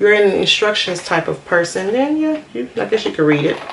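Light noise sits behind the voice of a woman talking. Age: 20s. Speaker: YouTuber and sneaker collector; sneaker vlogger. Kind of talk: casual vlog talk. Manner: hesitant with fillers. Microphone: phone near.

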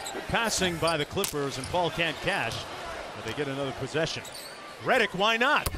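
This man has a high voice and an animated, upbeat tone at a moderate pace. The sound is dry with no echo, and noticeable background noise is present. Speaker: play-by-play commentator. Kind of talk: live sports commentary. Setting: arena broadcast. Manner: animated, upbeat, with excited calls on dunks and threes.

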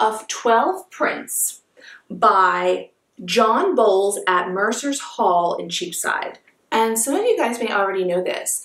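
Against a quiet background with audible room echo, a woman speaks at a very slow pace. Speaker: vlogger. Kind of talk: casual vlog chat. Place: home room.

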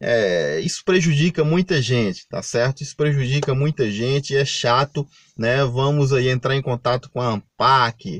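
Against a quiet background with a dry sound and no echo, a man talks somewhat breathily at a fairly slow pace with ordinary pitch variation. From Brazil, Bahia. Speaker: YouTuber on civil service exams. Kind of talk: casual vlog to camera. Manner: hesitant, many fillers. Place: car. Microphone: phone near.

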